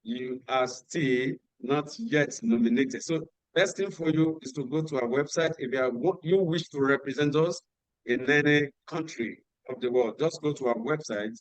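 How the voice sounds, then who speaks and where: A man hosting an online workshop on a video call, giving instructions and repeating key details slowly. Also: medium pitch, no echo, poor audio. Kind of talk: announcements at an online meeting.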